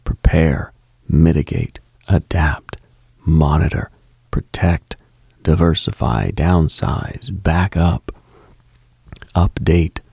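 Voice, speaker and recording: A man hosting a late-night radio show, speaking in a slow, reflective monologue that often sinks into a whisper and lists ideas in short measured phrases. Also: a little mellow, no room sound. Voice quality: gravelly low voice, often dropping to a whisper.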